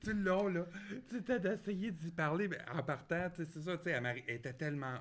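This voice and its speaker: A man's voice: on the high side, quick pace. A man with a Québécois accent, a podcast guest, telling rambling anecdotes full of fillers. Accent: Québécois French. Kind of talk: casual chat.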